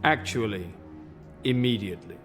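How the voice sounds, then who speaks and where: An actor playing a matter-of-fact medical expert in a television courtroom drama, answering tersely and with certainty. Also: male voice, fairly low pitch, moderate pace, big-room sound, over music, lightly acted. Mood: clinical.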